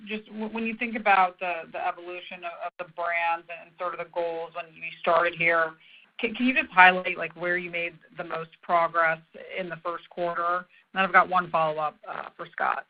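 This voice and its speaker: A woman working as an analyst, asking questions on an earnings call in a halting way with repeated words. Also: fairly low pitch, steady tone. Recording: muffled phone line.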